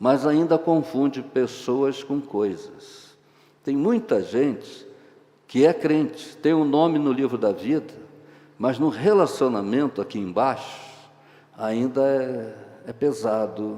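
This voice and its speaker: With lively intonation and a dark, mellow tone, the speaker talks at a very slow pace, leaving long, frequent pauses. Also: man, fairly high pitch for a man. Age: 60s. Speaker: pastor. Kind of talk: sermon. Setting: church.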